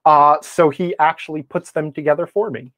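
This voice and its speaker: A man's voice: on the high side, steady tone, moderate pace, a bit bright, dry recording. A man talking casually as a podcast guest, rambling along and quoting himself with self-deprecating humor. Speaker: podcast guest, game advice blogger. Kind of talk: casual conversational interview talk.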